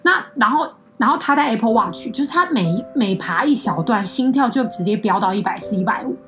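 A young woman speaks quickly in Taiwanese-accented Mandarin, rambling through her stories with fillers and restarts. Her voice sits a little high, and she keeps the pace brisk. Faint music plays underneath. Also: lively intonation, fairly bright tone. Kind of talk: casual chat.

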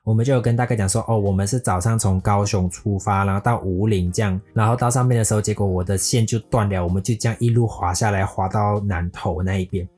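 Husky man telling a story. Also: on the low side, quick pace, few pauses. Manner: lively, mixes English words into speech. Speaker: storyteller recounting a motorbike trip. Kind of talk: scripted personal storytelling. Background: faint guitar music.

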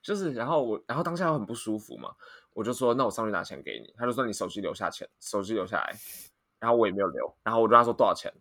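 Rapid low-voiced young man. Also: dry recording. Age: young adult. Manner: rambling, restarts often, animated retelling. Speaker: podcast co-host. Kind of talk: casual storytelling chat.

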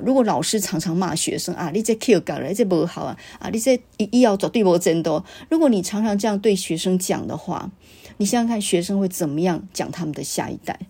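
A woman's voice: medium pitch, husky. A middle-aged woman with a Taiwanese Mandarin accent hosting a podcast, telling stories and reflecting on how scolding gets passed down. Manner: storytelling, quoting her father's sharp remarks. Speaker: podcast host. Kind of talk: reflective monologue.

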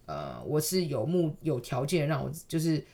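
A woman's voice: sits low, very animated, normal speed, mellow. A woman with a Taiwanese accent giving casual conversational advice in an explanatory, emphatic way, often repeating phrases for emphasis.

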